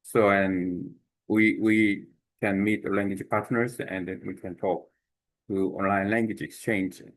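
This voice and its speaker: Slow, halting Korean-accented man. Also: lowish voice, little pitch movement. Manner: halting, many fillers and restarts. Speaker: language exchange speaker. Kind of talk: unscripted talk to camera.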